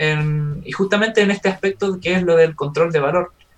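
Music plays in the background. A man speaks in a high pitch with a Chilean accent. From southern Chile, Vilcún near Temuco. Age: 20s. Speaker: fitness trainer and parkour coach. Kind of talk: casual chat.

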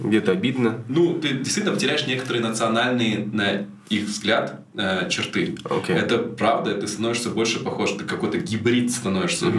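Noticeable background noise and audible room echo are present. Through them, a man talks at a moderate pace. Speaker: musician and music producer. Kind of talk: casual chat.

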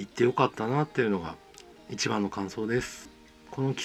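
At a fairly quick pace, a man with an ordinary speaking voice talks at a fairly low pitch with lively intonation. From Hiroshima, Japan. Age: 50s. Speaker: podcast host. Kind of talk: casual monologue.

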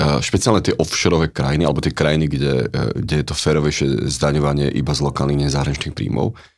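A man talks fairly quickly in a very deep, low pitch while noticeable background noise runs underneath. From Slovakia. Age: 40s. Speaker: ethical hacker and crypto-anarchist. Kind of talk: interview. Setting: studio.

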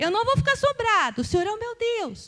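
A woman's extremely high-pitched voice with lively intonation. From Goiás, Brazil. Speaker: preacher. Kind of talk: sermon. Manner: animated.

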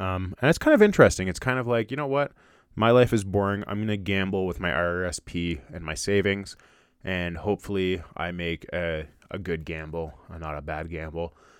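In a very clean recording with a silent background, a man with a very deep, low pitch speaks at a fairly quick pace and ordinary pitch variation. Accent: Canadian. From Ontario, Canada. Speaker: podcast host, boxing coach and former MMA fighter. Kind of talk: casual solo monologue. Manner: rambling with many fillers.

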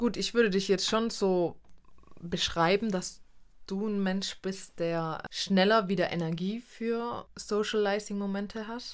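A woman speaks at a very slow pace. Her medium pitch stays fairly even in intonation. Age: 20s. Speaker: social worker. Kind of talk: casual chat.

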